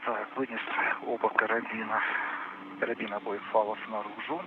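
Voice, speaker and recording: A man's voice: on the low side, level tone, brisk. A man on a spacewalk making terse callouts over a crackly narrowband space-to-ground radio link. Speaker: spacewalking crew member. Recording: hissy, tinny radio link.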